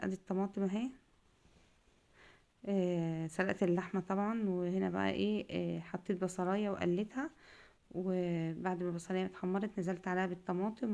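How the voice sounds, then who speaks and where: A woman's voice: medium pitch, vocal fry, a little mellow. A middle-aged Egyptian woman chatting casually and rambling homely as she cooks for her vlog. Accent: Egyptian Arabic. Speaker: home cooking vlogger. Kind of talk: casual cooking chat.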